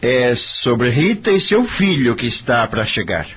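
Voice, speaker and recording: An actor playing a repentant, earnest middle-aged father in a radio drama, with a Brazilian accent and a solemn, deliberate delivery. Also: mid-range voice, big pitch swings, a bit bright, slightly rough, full character voice. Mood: earnest, firm.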